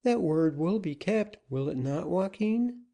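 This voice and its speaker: A man's voice: sits high, animated, unhurried, creaky, dark tone, voice pushed up, full character voice. A man voicing an anxious young woman in a storybook reading, pleading and breathless.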